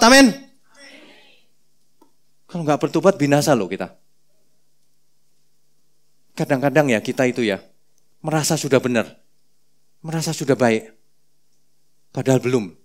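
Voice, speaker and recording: A man preaching a sermon as pastor, telling the story in a playful, animated way with many asides. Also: a little high.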